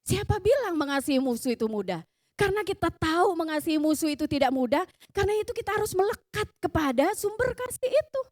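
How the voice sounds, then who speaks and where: A woman's voice: extremely high pitch, no room sound, studio quality. A woman preaching at a youth service, telling a personal testimony in an earnest, emotional way and pressing her points with rising emphasis. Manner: earnest and emotional, tells stories vividly.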